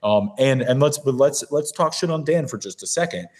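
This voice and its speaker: A man's voice: medium pitch, expressive, normal speed, darkish tone. A man who is a guest on a podcast, talking bluntly and animatedly in casual chat and sometimes mimicking other people.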